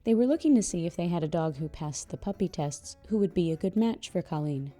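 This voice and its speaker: A woman narrating a podcast in a calm, measured, scripted way. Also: fairly low pitch, faint music behind.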